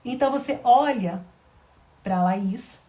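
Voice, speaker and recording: Woman parenting teacher, higher voice. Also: slow pace. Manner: acts out gentle mother-to-child dialogues; frequent tag questions, explanatory. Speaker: parenting educator. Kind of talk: teaching lesson to mothers.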